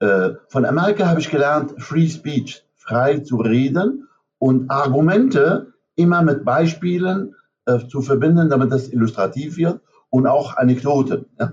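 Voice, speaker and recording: A man speaks fairly slowly in a somewhat breathy, fairly high voice with ordinary pitch variation. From Middle East. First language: Arabic (speaking German). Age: 70s. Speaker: professor. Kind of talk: interview.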